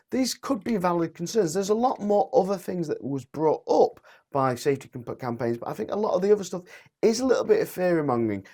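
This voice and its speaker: A man, hosting a chatty explainer vlog and speaking straight to his viewers, his voice croaky and hoarse. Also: fairly high pitch, warm tone. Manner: chatty, addresses viewers directly. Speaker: channel host.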